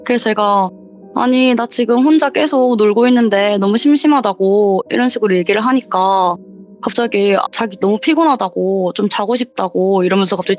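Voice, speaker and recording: A woman's voice: medium pitch, lo-fi sound. A young woman in her twenties calling in to tell a true scary story in a chatty, casual way, acting out what people said. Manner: chatty, acts out quoted dialogue. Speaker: viewer telling her story as a caller. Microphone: voice call.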